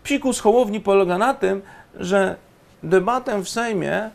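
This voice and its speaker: A man giving indignant, emphatic political commentary, often pausing on fillers. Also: high voice, vocal fry.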